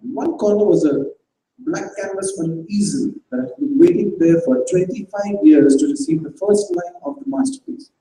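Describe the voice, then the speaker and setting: A man reading a short story aloud on stage in a dramatized reading, with measured storytelling. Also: sits high, very animated, mellow, slight background noise. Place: festival stage, hall. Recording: echoey hall from far off.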